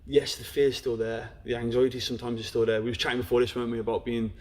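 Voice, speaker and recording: On a podcast, a young Black Country man speaks as an interview guest, recounting his personal story in a frank, plain-spoken way and dropping in "you know" often. He races through it at a fast clip, his pitch at a normal middle height for a man and his delivery flat.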